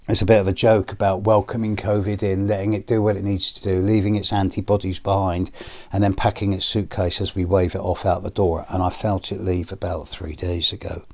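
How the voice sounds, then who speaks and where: A middle-aged British man with a hoarse, deep voice and a cough, talking slowly to his viewers in a personal video with pauses and fillers. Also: a little mellow. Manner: slow, measured, with pauses and fillers. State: hoarse and coughing after illness. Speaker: astrologer.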